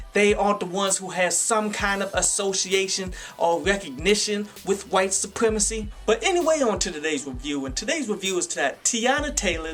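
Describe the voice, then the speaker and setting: A man's voice: sits high, a bit bright. An American man hosting a video review show with casual, opinionated commentary and slangy, sweary talk. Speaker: host of a YouTube review show. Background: music behind the voice.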